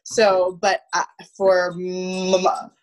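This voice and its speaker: A woman in her thirties talking casually on a video call as a panel guest, halting and often repeating words. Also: on the low side, completely flat delivery, rough recording. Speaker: theater producer and guest. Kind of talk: casual roundtable talk. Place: room at home, video call.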